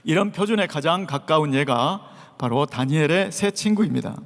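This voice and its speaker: High-voiced preaching pastor, man. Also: animated, moderate pace, gravelly. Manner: preaching with rhetorical questions and dramatized shouts. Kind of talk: Sunday sermon. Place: church sanctuary. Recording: long reverb of a large church hall.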